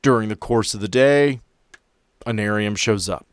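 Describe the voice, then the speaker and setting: A man working as game master, narrating a tabletop roleplaying podcast in measured, dramatic storytelling with drawn-out phrases. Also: on the low side, no echo, studio quality.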